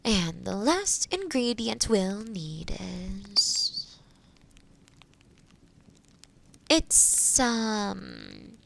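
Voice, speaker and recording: A woman playing a kind, gentle forest witch in a roleplay audio, explaining potion work softly and caringly to the listener. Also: mid-range voice, wildly swooping pitch, drawn-out words, gravelly, slight background noise, heavily acted. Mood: careful, hesitant. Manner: soft, caring, hesitant, explaining patiently.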